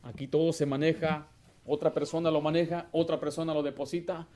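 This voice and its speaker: A middle-aged man preaching as pastor of a church, putting questions to the congregation and building to loud emphasis. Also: a little high, level tone, a little fast, a little hiss or hum. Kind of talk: sermon.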